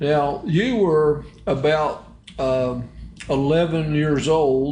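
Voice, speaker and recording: A man speaks very slowly at a fairly high pitch, with ordinary pitch variation. Room echo is audible. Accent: Appalachian. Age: 70s. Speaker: podcast host. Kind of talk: casual chat. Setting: senior living center.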